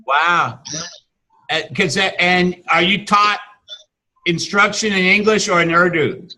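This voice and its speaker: A man, a teacher chatting casually and haltingly with many restarts and fillers. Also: high voice, sharp tone. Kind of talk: casual video-call chat.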